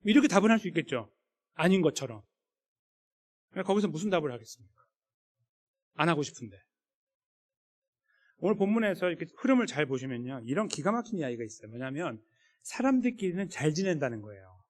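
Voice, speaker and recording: A man's voice: a little high, very animated, fairly quick, pauses often. A man preaching a sermon as pastor, in a conversational way that acts out what people might say. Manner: conversational, acts out quoted voices. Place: church sanctuary. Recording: echoey church hall.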